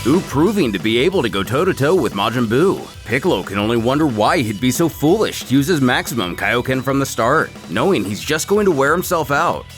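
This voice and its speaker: A man giving a scripted story recap as a narrator, in a dramatic, animated storytelling manner. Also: medium pitch, a little fast, few pauses, music in the background. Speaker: narrator of a fan comic recap series.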